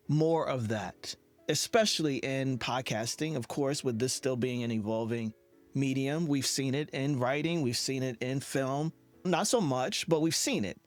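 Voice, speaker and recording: A man hosting a conversational podcast interview in an earnest, affirming manner. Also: medium pitch.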